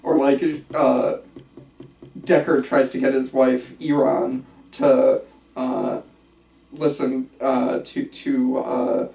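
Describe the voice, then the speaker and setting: A man in a casual group discussion, explaining ideas enthusiastically in halting, digressive runs. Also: medium pitch, flat delivery, creaky, warm tone. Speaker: participant at a film script table reading. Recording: roomy, picked up from a distance.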